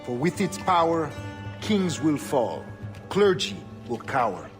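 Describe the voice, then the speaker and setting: An actor playing a scheming older Templar governor, measured and solemn, often dropping to a hush. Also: male voice, on the high side, very animated. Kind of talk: video game cutscene acting. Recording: game audio over music.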